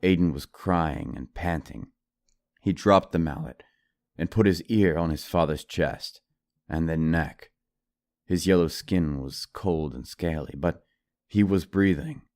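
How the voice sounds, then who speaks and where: A man's voice: sits low, measured pace, darkish tone. A man narrating a scripted horror audiobook in a dramatized, storytelling style. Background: music.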